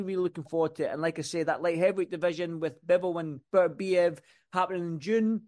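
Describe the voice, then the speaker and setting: A man's voice: high-pitched, darkish tone. A man from the UK co-hosting a boxing podcast, talking in a rambling, repetitive, casual way. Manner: rambling and repetitive, stacking up lists and restarts. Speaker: podcast co-host.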